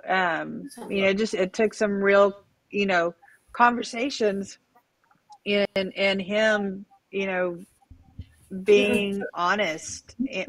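A woman in her thirties speaks slowly and haltingly, circling back with fillers as she reflects. Her voice sits in a middle register, and the sound is close and dry. She talks as a guest in a relaxed, candid chat. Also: medium pitch, no room sound, poor audio. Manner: hesitant, lots of fillers and restarts. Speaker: podcast guest. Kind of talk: candid conversational storytelling.

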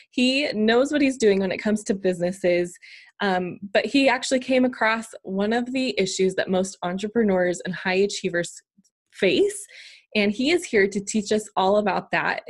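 Upbeat woman podcast host. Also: medium pitch. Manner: upbeat, uses many fillers like "like". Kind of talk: scripted intro then casual interview.

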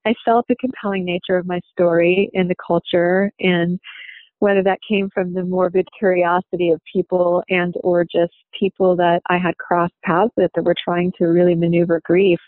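A woman speaks in a level, even tone that barely rises or falls. She talks reflectively and haltingly, filling her pauses with "you know." The sound is thin and phone-like, with no room echo at all. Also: on the low side. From United States. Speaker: interviewee. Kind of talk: personal storytelling. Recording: dry, tinny phone-like sound.

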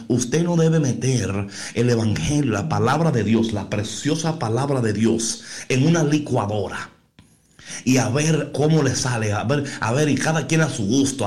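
A man's voice: medium pitch, darkish tone. A man preaching an informal sermon, folksy and playful, talking straight to his listeners.

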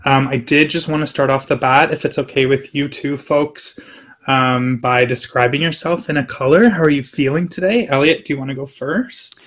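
A man's voice: mid-range voice, moderate pace, fairly bright tone. A man co-hosting a casual podcast, teasing and meandering through his descriptions. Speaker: podcast co-host.

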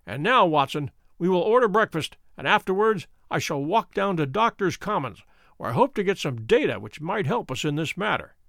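A man voicing a calm, imperturbable detective who speaks with dry wit. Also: sits high, normal speed, gravelly, dry recording, exaggerated voice. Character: cool, witty adult male detective, calm and bland.

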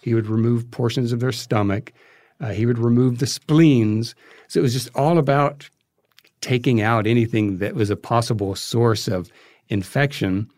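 A man being interviewed as a guest, explaining history in a conversational, halting way as he thinks aloud. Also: medium pitch, a little mellow, no echo. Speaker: interview guest, filmmaker and podcast creator.

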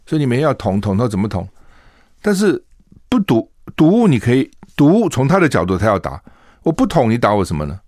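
An older man with a Taiwanese Mandarin accent, hosting a political commentary talk show, animated and full of rhetorical questions. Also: medium pitch, brisk, no echo, clean studio sound. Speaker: radio talk show host.

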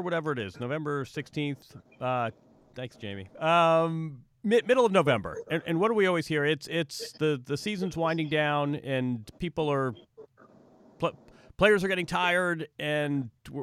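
A man hosting an interview, asking halting, stammering questions in a casual tone. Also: fairly high pitch, a bit bright. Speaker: podcast host.

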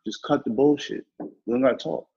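A man's voice: mid-range voice, fairly quick, dark tone. A man in his twenties from New York, chatting casually in a loose, slangy, profane way. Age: 20s. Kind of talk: casual interview chat. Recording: muffled lo-fi sound.

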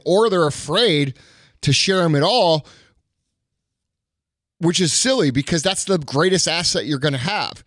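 A man's voice: on the high side, a bit bright, dry recording, studio quality. A man giving casual motivational business advice as a podcast host, blunt and sweary.

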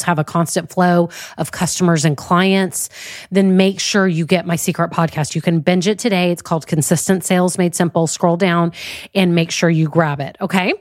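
A woman's voice: fairly low pitch, no echo. Stuffy-nosed chatty woman podcaster, dry sound. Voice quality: nasal. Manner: upbeat, chatty, lots of y'all. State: stuffy nose. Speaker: podcast host and business coach. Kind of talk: solo podcast monologue.

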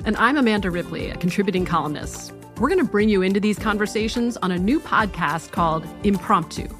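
A woman introducing a podcast in a measured, conversational tone. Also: medium pitch, lively intonation, over music. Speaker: podcast promo host. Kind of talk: scripted promo.

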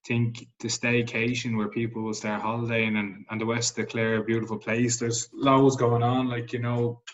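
A man's voice: medium pitch, little pitch movement, normal speed, dull audio. An Irish man interviewing in a casual sports chat, putting long, loosely built questions in a conversational way.

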